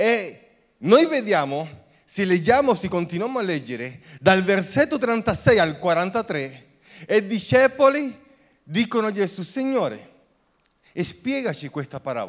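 A man with a Spanish accent talks at a very slow pace and a high pitch, with very wide pitch swings and long, frequent pauses. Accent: Spanish, Z pronounced as S. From Cuba. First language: Spanish (speaking Italian). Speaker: preacher. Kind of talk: sermon.

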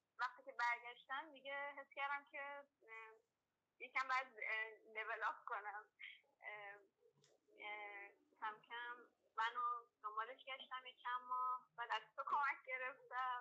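A woman speaks very slowly with long, frequent pauses, her high, bright, sharp voice keeping a fairly even intonation. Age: 20s. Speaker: traveller, former photography student. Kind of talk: interview.

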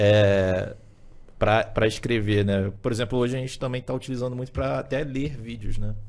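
With a plain, everyday voice, a man talks at a moderate pace, medium in pitch with ordinary variation. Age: 30s. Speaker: podcast co-host, business partner. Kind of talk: casual interview.

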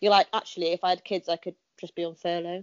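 Very fast, monotone, flat speech from a woman at medium pitch. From Wales. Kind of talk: casual chat.

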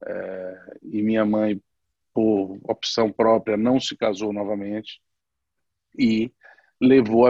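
The speech is very slow, with monotone, flat intonation. The sound is dry and close, with no echo. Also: man. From Brazil, Salvador da Bahia. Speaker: architect. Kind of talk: interview.

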